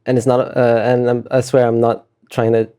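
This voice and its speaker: A man's voice: mid-range voice, completely flat delivery, moderate pace, dark tone. A man being interviewed as an artist, talking casually and thoughtfully, often hesitating as he searches for words. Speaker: interview guest, concept artist.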